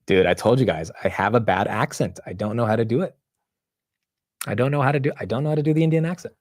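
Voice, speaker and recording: A man's voice: mid-range voice, fast talker, dry recording, studio quality. A man from the United States hosting a market livestream, chatting casually in a loose, slangy way and talking to his viewers. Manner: loose, slangy, talks to chat. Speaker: livestream host.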